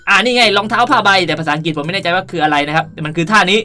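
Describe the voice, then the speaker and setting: A young man hosting a casual gameplay tutorial in a playful, animated way with cutesy polite sentence endings. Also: high-pitched, rapid-fire. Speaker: gaming video host. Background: background music.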